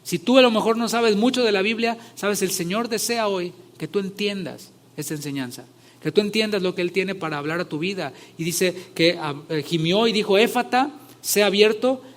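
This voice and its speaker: Man preaching a sermon, fairly high voice. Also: brisk. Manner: conversational, rising loud when retelling scripture scenes. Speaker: pastor.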